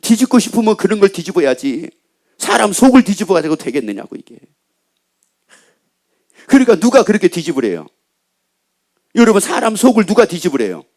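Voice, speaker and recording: A male pastor delivers a Sunday sermon in a church. His voice sits high for a man. He throws questions at the congregation, answers them himself, and repeats his phrases for weight. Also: big pitch swings, fairly quick, long pauses, a little mellow. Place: church sanctuary.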